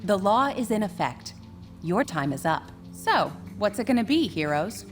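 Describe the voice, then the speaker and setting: A woman's voice: mid-range voice, big pitch swings, moderate pace, lightly acted. A woman voicing a stern, smug government enforcer in a video game, commanding and coolly polite. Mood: stern, taunting. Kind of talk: video game cutscene dialogue. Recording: music behind the voice.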